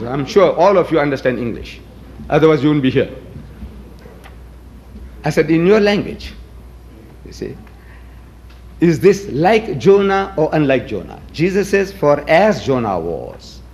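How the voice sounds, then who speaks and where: A man's voice: a little high, darkish tone, a little hiss or hum. A man from South Africa with Gujarati as his first language, giving an emphatic, rhetorical lecture and acting out debates. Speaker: public speaker on religion. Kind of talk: lecture to an audience.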